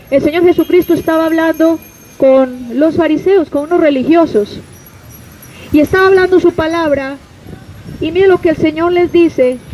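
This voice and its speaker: A woman's voice: high-pitched, dark tone, slight background noise, rough recording. A Colombian woman preaching an open-air street sermon, pressing her listeners with rhetorical questions and direct address. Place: outdoors on a city street.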